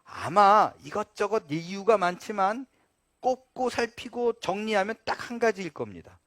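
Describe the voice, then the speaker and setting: A male pastor preaches with a fairly high voice and earnest force. He leans hard on key points, then drops low and quiet for asides. The sound is close and dry, with no room echo. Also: animated, normal speed. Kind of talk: sermon.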